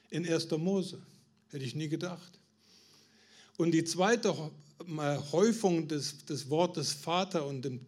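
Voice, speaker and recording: A man's voice: a little high, darkish tone. German man preaching a sermon. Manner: addresses the congregation with questions, rising in emphasis; restarts and stumbles on words.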